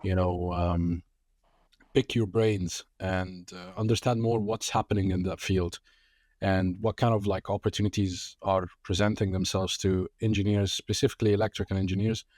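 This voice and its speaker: A man's voice: low-pitched, steady tone, normal speed, darkish tone, dry recording, clean studio sound. A man hosting a podcast interview, curious and encouraging toward his guest. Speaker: podcast host. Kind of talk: conversational interview.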